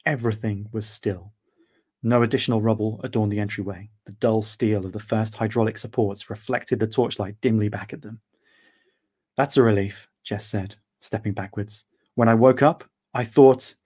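A man with a British accent, a guest author chatting and reading his own story aloud in a measured, self-deprecating way. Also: fairly low pitch, a little mellow, husky.

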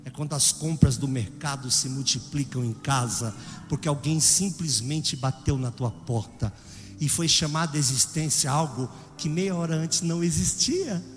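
A man preaching a sermon with a Brazilian Portuguese accent, swinging from loud exclamations to hushed storytelling. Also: fairly high pitch, moderate pace, in a large hall, soft background music.

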